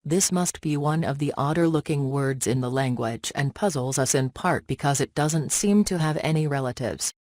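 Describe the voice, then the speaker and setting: Guy reading practice texts out loud, kinda stilted, drops word endings, no echo at all. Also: fairly high pitch, moderate pace, hardly any pauses. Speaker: reader of practice passages. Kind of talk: scripted read-aloud of study passages.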